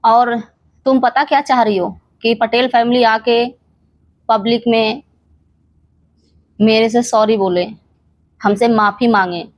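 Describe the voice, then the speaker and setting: A woman's voice: on the high side, fairly even intonation, slow pace, long pauses, dry recording. Fiery woman scolding a rival on camera. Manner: confrontational, scolding an absent rival directly; rhetorical questions and repeated challenges. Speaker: reaction channel creator. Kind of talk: heated reaction monologue to camera.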